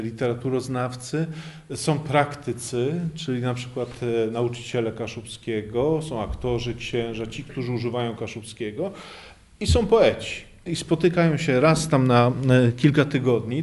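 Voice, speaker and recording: A man's voice: mid-range voice, darkish tone. A man, a poet and language activist, explaining things at length in an interview, with frequent hesitation fillers along the way.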